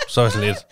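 A man co-hosting a podcast, casually telling a lively anecdote with acted-out dialogue and some swearing. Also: on the low side, heavy background noise. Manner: animated storytelling, swearing, acting out dialogue. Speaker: podcast co-host. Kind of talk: casual chat.

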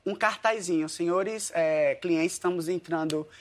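A man's voice: a little high, unhurried. A man from Paraíba with a Northeastern Brazilian accent, telling a comic story to an audience and acting out the voices of the people in it. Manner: animated, acts out his own dialogue. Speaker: guest storyteller, dance teacher. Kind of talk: comedic storytelling before an audience.

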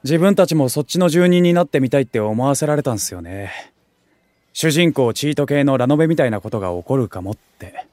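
Man acting an excitable young otaku guy. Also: mid-range voice, fairly quick, no echo, natural voice. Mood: earnest. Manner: geeky slang, exaggerated reactions, casual junior-style politeness. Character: excitable young male otaku food streamer and aspiring idol. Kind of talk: Japanese audio drama acting.

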